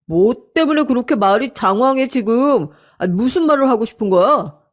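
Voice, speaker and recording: A woman's voice: fairly high pitch, animated, moderate pace, pitched above the performer's own voice, natural voice. A woman voicing a defensive, blustering young husband in a radio-style story, irritable and brushing off accusations. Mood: defensive angry.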